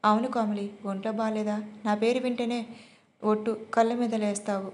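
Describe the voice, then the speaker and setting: A woman's voice: medium pitch, little pitch movement, moderate pace, lightly acted. A woman voicing Sri, a playful young bride-to-be, in an audio story. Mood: chatty. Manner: playful, pouting.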